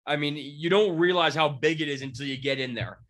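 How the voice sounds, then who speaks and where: A man in his 20s with a voice on the high side talks a little fast, sounding a bit bright despite congestion from a cold. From near Seattle in Washington State, he hosts a casual sports podcast and writes on the sports beat, rambling with many fillers and restarts.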